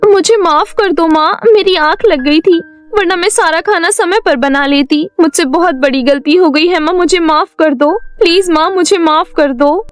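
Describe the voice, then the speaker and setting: Meek cartoon stepdaughter, voiced by a woman, high, gentle, pleading. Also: moderate pace, few pauses, no room sound, soft background music. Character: meek hardworking stepdaughter, young girl. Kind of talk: cartoon voice acting.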